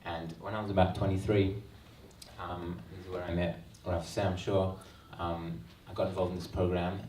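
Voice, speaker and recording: In an event hall, a deep-voiced Australian man speaks flatly at his book launch, earnest and reflective and saying um frequently. The recording has a roomy hall sound from a distant mic, plus a little hiss or hum.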